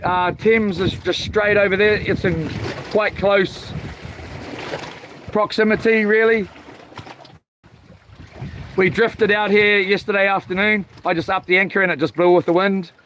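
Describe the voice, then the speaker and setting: A man's voice: high voice, little pitch movement, a little slow, long pauses, a bit bright, rough recording. A man with a broad New Zealand accent chats casually on a live vlog, rambling and hesitant, with slangy informal phrasing. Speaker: fishing livestream host. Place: outdoors on a small boat at sea. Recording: faint outdoor water and boat noise.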